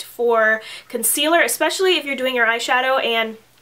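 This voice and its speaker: A woman speaks in a high voice with lively intonation. Noticeable background noise runs underneath. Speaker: beauty vlogger. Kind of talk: product review. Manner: fast; casual, filler-heavy.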